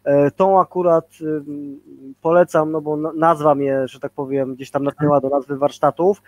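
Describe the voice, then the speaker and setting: A man in his forties speaks over a video call in a loose, rambling way, leaning on fillers and tag questions. His voice sits a little high, and the sound is very dry. It has a casual conversational feel. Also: little pitch movement, normal speed, darkish tone, no echo. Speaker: guest, leadership trainer.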